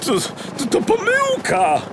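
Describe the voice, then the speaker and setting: Man doing a flustered, excitable detective. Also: extremely high pitch, takes it slowly, very noisy, voice pushed up, exaggerated voice. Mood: panicked. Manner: stammering, protesting. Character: jumpy male detective, indignant and flustered. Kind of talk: audiobook character voice.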